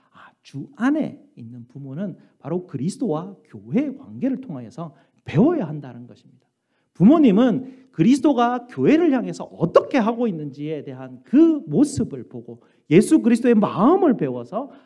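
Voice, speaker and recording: A man's voice: sits high, breathy edge. A man preaching a sermon as pastor, earnest and full of rhetorical questions. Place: church sanctuary. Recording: dull lo-fi church recording.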